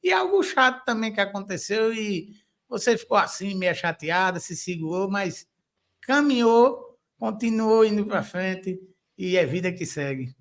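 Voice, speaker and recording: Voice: mid-range voice, expressive, a little slow. Brief: podcast interviewer in a mid-range voice, loose and rambling when asking questions. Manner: asks long rambling questions. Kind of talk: casual interview.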